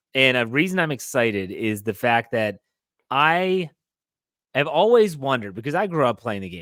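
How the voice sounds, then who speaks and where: Recorded very cleanly against a silent background, a man uses an ordinary speaking voice with lively intonation. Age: 40s. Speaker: podcast host. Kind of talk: interview.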